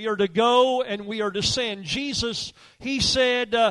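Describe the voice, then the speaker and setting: This voice, with an Oklahoma accent, has a bright, sharp tone and ordinary pitch variation. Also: man. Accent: Oklahoma Southern-Midland American. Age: 50s. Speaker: preacher. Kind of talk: sermon.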